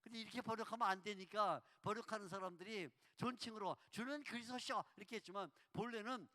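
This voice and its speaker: A man pastor preaching a revival sermon in a church sanctuary, playful and lively, repeating key words and acting out dialogue for humor. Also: high-pitched, fast talker, in a large hall.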